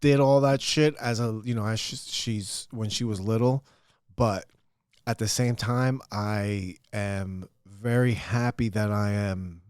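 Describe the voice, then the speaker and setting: A middle-aged man with a deep voice, telling loud, profane family stories in a casual podcast chat. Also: slow, clear, resonant tone, no room sound, studio quality. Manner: loud, profane, animated storyteller. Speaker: podcast host.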